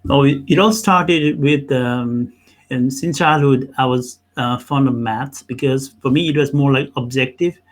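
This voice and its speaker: A man who comes from Nepal talks in a conversational interview as a business owner. His delivery halts and doubles back on words, with rhetorical questions worked into his storytelling. The pitch sits in an ordinary middle range for a man. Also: a little slow.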